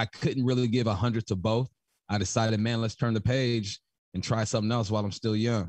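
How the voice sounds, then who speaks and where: An unremarkable speaking voice with an American accent moves at a fairly quick pace. Intonation stays fairly even against a quiet background. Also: man. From Los Angeles. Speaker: former football player and sports broadcaster. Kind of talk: casual interview chat.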